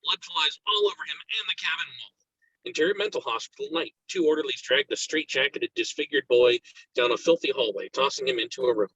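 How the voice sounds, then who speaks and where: A man's voice: a little high, a little fast, bright, forceful tone, lo-fi sound. A man reading stage directions aloud as scripted narration for a screenplay table read.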